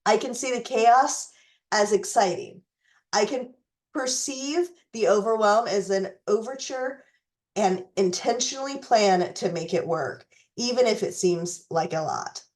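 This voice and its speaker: A woman hosting a recipe tutorial who is losing her voice and fighting a cough, talking in a deliberate way with some fillers. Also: mid-range voice, a little mellow. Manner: slow, deliberate, with fillers and restarts. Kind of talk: reading a letter, then walking through recipes.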